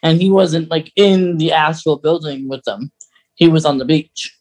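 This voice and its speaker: A podcast co-host with a medium-pitched voice talks casually. The delivery is that of a fan discussing a favourite story in relaxed conversation. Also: moderate pace.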